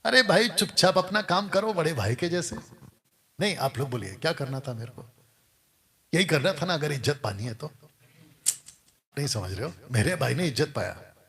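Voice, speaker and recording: A man's voice: on the high side, animated, moderate pace, pauses often, a bit bright, husky. A man preaching a sermon to a live congregation, scolding and firing rhetorical questions at the crowd. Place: church or meeting hall with congregation.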